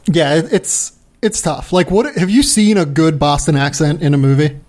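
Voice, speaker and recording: A man's voice: fairly high pitch, moderate pace, darkish tone. A man hosting a podcast in casual chat, talking loosely and repeating words. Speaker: podcast host.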